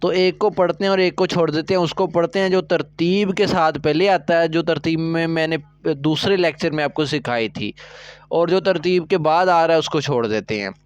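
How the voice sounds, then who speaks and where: A man teaches a recorded Korean lesson, explaining step by step and frequently checking that students are following. His voice is fairly high and smooth at a moderate pace, though the audio sounds dull.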